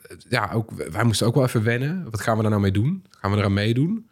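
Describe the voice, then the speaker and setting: A man with a slightly low voice hosts a tech podcast. He presents topics in a conversational way, moving between prepared lines and informal chat. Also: expressive, quick pace. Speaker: podcast host.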